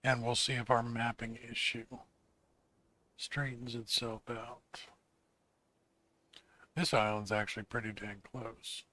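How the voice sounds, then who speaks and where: A man with a slightly hoarse voice, chatting casually while playing a survival video game. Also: mid-range voice, level tone, takes it slowly, long pauses, sharp tone. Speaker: gaming channel host. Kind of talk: casual let's-play commentary.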